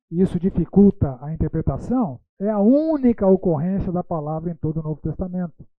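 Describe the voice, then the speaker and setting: In a Bible school lecture, a high-voiced man asks rhetorical questions, sprinkling "né" tags throughout. The audio is dry, echo-free, and tinny like a phone.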